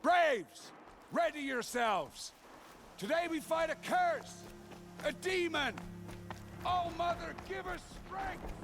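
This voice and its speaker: A man's voice: extremely high pitch, slow pace, long pauses, over music, exaggerated voice. A man playing a contemptuous, commanding tribal war chief in a video game cutscene. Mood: alarmed battle shouting. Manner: scornful, commanding.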